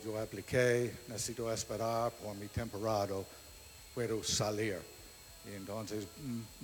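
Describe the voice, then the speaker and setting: A man giving a testimony in a church hall, his speech slow and unhurried. He gropes for words in imperfect Spanish, filling gaps with "eh", while a long reverb trails behind him. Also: mid-range voice, a little mellow. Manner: slow, searching for Spanish words, many fillers. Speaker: guest church member. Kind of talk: halting testimony in a second language. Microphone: handheld microphone.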